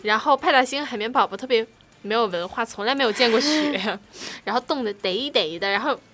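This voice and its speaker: A woman's voice: fairly high pitch, a little fast, a bit bright, a little hiss or hum. A young woman co-hosting a casual late-night chat show, telling stories in a rambling way with lots of fillers. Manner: rambling storyteller, many fillers. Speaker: co-host.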